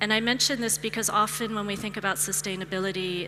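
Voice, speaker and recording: Noticeable background noise and audible room echo surround the recording. A woman with an American accent speaks at a fairly quick pace. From United States. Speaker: tourism and marketing advisor. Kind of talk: conference talk.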